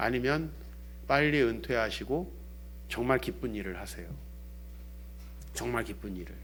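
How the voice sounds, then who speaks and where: A man speaks at a fairly slow pace, and audible room echo fills the space around him. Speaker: pastor. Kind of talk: sermon. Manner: animated, conversational.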